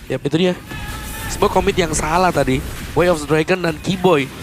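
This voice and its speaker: A man's voice: on the high side, moderate pace. A man giving analysis as a co-commentator on a live esports match. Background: game music.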